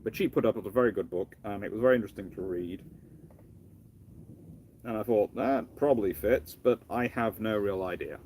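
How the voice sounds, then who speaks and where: Low-voiced British man, rambling live chat. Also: normal speed, a little mellow, a little hiss or hum. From United Kingdom. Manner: rambling, discursive, often breaking off to restart phrases. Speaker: livestream host, history lecturer. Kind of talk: casual live question-and-answer talk.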